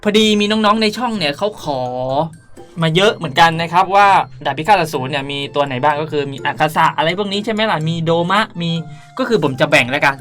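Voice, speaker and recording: Young male gaming host, bright delivery, playful and chatty tutorial commentary over light music. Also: on the high side, quick pace. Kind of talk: casual game tutorial commentary.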